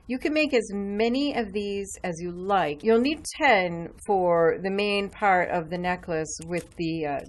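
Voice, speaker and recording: A woman hosting a jewelry-making tutorial, chatting casually as she shows each step with her hands at a craft table. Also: medium pitch. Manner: chatty, explains while working with her hands. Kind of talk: relaxed step-by-step craft demonstration.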